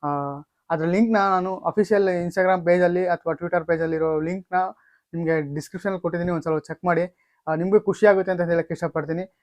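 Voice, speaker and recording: A man hosting a casual news update video, speaking haltingly with drawn-out hesitations and repeated stock phrases. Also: sits high, level tone, a little mellow, no room sound. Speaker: YouTube channel host. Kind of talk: casual film and gaming news update to camera or mic.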